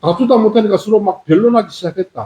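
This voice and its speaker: Moving at a fairly quick pace, the speech carries a dark, mellow tone. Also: man. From Gyeongsang region, South Korea. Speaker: pastor. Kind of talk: sermon.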